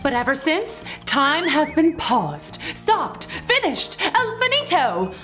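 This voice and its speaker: High, very animated woman storyteller. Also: takes it slowly, faint music behind. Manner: perky, exaggerated. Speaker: children's storyteller. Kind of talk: animated first-person storybook narration, playing a young girl.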